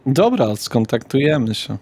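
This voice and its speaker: A man's voice: medium pitch, big pitch swings, measured pace, a little mellow, slightly rough, full character voice. Man playing a curt streetwise underworld dealer. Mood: businesslike.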